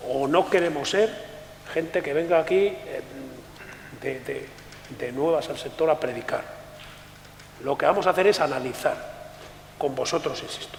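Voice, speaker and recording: A man's fairly high-pitched voice at a moderate pace, with ordinary pitch variation, long and frequent pauses, and noticeable background noise. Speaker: panel moderator. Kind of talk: panel discussion. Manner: hesitant, repeats words.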